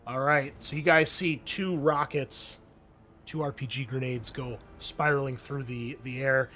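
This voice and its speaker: A man runs a tabletop roleplaying game as game master. His narration is casual and improvised, in a medium-pitched voice. Soft music plays behind him. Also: steady tone, a little slow. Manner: casual, improvised scene description.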